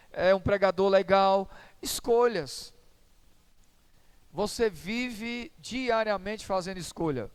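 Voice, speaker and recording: High, smooth-voiced male pastor preaching. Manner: conversational, humorous storytelling preacher. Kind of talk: sermon. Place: church.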